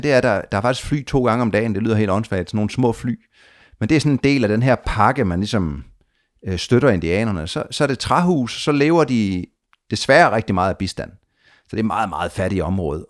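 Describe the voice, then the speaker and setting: A man telling a long story of his trip in a casual conversation, lively, with frequent restarts and repeated words. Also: fairly low pitch.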